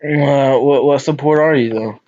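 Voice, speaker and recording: A man's voice: medium pitch, steady tone, unhurried, highs cut off, lightly acted. A man voicing a foul-mouthed angry caller who stammers and swears threats. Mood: confused.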